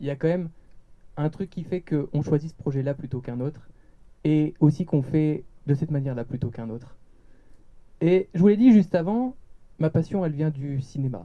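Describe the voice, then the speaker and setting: With a fairly high pitch and a dark, mellow tone, a man talks fairly quickly yet leaves long, frequent pauses, using ordinary pitch variation. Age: 20s. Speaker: 3D animation student. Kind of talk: conference talk.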